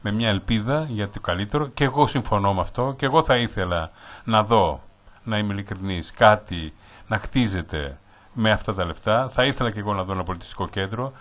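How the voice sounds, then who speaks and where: A man hosting a studio radio discussion in a Greek community abroad, affirming guests and wrapping up with thanks. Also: fairly low pitch. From Greek community in Australia. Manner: affirming, wraps up warmly with thanks. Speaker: radio show host.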